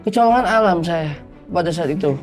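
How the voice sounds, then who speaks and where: Guy, really high voice, mock serious complaining on a comedy panel, faint music. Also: a little fast. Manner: protesting, insistent, repeats himself. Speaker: comic panel guest playing a flood victim. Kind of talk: mock-serious comic debate.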